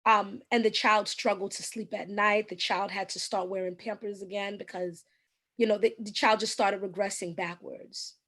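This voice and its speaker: A woman with a slightly raspy voice, a guest giving earnest, explanatory advice in an interview with frequent ums. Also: mid-range voice, fairly even intonation, normal speed, fairly bright tone.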